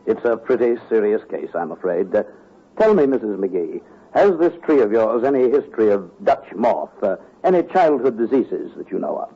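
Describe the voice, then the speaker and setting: An actor playing a pompous, formal tree surgeon in an old radio comedy. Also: male voice, fairly low pitch, big pitch swings, moderate pace, breathy edge, heavily acted. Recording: muffled old radio transcription.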